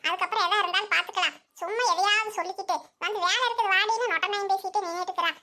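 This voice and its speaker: Brief: a performer doing a fast, scolding village aunt for a cartoon. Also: very high voice, fairly even intonation, sharp tone, full character voice. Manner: scolding, chattering. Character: fretful village aunt, middle-aged woman. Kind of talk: cartoon voice acting.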